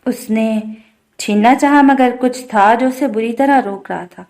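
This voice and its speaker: A woman narrating a novel aloud in an even storytelling manner. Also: fairly high pitch. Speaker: novel reader.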